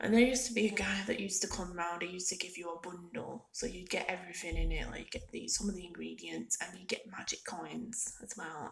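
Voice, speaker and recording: Soft-spoken delivery at a fairly quick pace, with noticeable background noise. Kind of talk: ASMR soft spoken ramble to camera.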